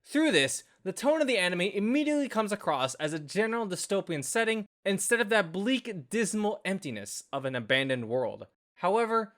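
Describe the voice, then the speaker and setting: A man's voice: high voice, fairly bright tone. A man reading a scripted anime video review as a reviewer, with music playing behind him. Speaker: anime and visual novel reviewer. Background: background music.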